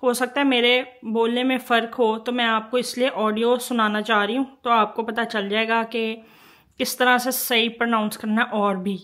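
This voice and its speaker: A woman's voice: fairly high pitch, level tone, moderate pace, fairly bright tone. A woman teaching a language lesson, patiently explaining and repeating each sound several times while she writes. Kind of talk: spoken lesson.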